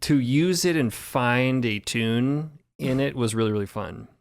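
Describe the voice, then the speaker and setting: Guy on a podcast panel talking about his own show, average pitch, casual. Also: unhurried, smooth. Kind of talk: casual chat.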